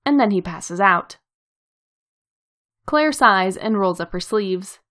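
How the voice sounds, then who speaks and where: A woman calmly reading fan fiction aloud in an even narrating voice. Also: mid-range voice, slow pace. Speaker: reader.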